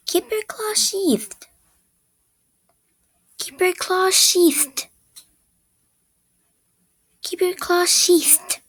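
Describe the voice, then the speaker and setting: A woman's voice: sits high, expressive, normal speed, pauses often, a little mellow, pitched above the performer's own voice. A woman voicing a childlike young kitten from a cartoon cat clan, reading animation audition lines. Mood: angry. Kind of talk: animation audition line reads.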